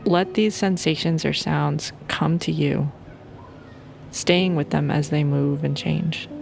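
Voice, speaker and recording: Woman guiding sleep meditation, slightly creaky voice. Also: low-pitched, fairly even intonation, slow, a little mellow, a little hiss or hum. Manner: informal, playful, soothing. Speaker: meditation guide.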